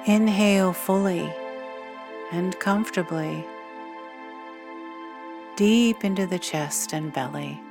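A woman guiding a meditation in a gentle, soothing, unhurried way with long, measured pauses. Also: on the low side, over music. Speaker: meditation guide and podcast host. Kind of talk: guided meditation narration.

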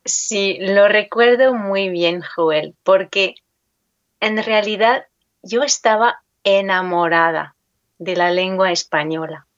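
A woman's voice: mid-range voice, takes it slowly, dry recording. Woman talking in an interview, takes her time, dry close sound but a bit dull. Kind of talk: conversational interview about personal experience.

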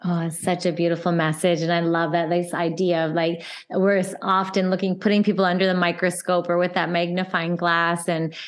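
A woman hosts an interview and speaks in a somewhat low voice. She is effusive, heaping praise on her guest before she asks her questions. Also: little pitch movement, fairly quick, few pauses. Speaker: interview host. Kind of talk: interview chat.

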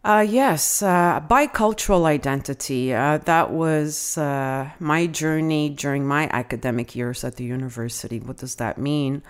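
Slow, low-voiced woman educator. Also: clean tone. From Canada. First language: Italian. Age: middle-aged. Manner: reflective, measured, frequent uh and um fillers. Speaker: adult educator, guest. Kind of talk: interview answers.

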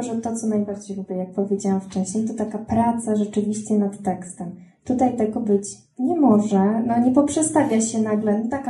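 Woman editor, thoughtful and hesitant, very dark and mellow tone, echoey room. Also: medium pitch. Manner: thoughtful, hesitant, many fillers and restarts. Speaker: book editor. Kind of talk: podcast conversation.

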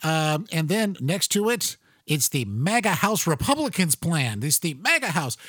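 Male talk show host, sarcastic, animated pitch, dry close studio sound. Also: measured pace, no room sound. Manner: conversational, sarcastic, frequent fillers and restarts. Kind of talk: political talk show monologue.

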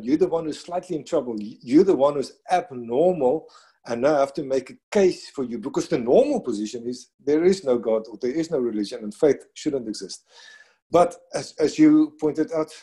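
A middle-aged man with a non-native English accent, speaking thoughtfully in a conversation, with frequent restarts and pauses. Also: on the high side, dark tone, husky. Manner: thoughtful, halting, with many restarts. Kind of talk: conversational discussion.

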